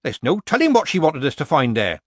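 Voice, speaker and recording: A man voicing a timid, deferential male villager who speaks slowly and hesitantly. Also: a little high, wildly swooping pitch, dry recording, studio quality, voice pushed up.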